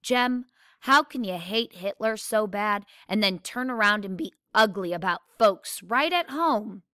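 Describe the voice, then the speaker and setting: A woman's voice: medium pitch, lively intonation, unhurried, bright, forceful tone, no room sound, studio quality, voice pushed up. A woman voicing a blunt, curious young tomboy girl with earnest questions in a read-aloud novel.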